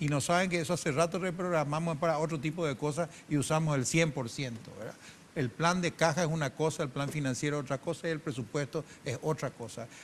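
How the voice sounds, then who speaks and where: A man speaks at a fairly quick pace in a fairly high, somewhat breathy voice. His pitch variation is ordinary. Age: 60s. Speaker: government minister. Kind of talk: political interview. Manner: halting, repeats words.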